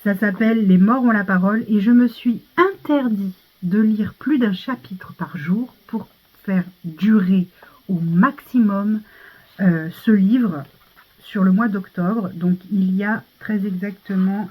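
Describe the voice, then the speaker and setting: French woman vlogger, casual and rambling, slow delivery, phone-quality recording. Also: mid-range voice, slightly rough. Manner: chatty, many fillers and restarts. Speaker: vlogger reviewing monthly favourites. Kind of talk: casual chat. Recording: tinny phone-like sound.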